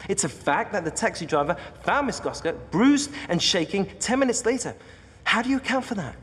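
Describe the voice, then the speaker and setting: An actor playing a composed, probing defence barrister in a television drama, with formal, precise questioning. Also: male voice, high voice, animated, fairly quick, a bit bright, husky, long reverb tail, heavily acted. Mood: forceful, accusing. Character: composed, probing male defence barrister, sharp in cross-examination. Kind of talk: television courtroom drama acting.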